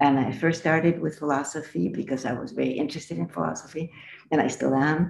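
A woman talks at a very fast pace with lively intonation and vocal fry. Her pitch is very deep and low. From Argentina. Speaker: clinical psychologist and family therapist. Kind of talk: interview.

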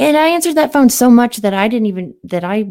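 A woman speaks at a moderate pace in a Southern US accent. Her pitch swings very widely. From US South. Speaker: podcaster. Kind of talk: casual chat. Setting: video call.

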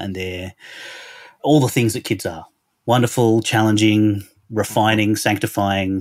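Here is a man with an Australian accent and a fairly low pitch. He keeps his intonation fairly even and leaves long, frequent pauses. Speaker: church planting director. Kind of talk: interview conversation.

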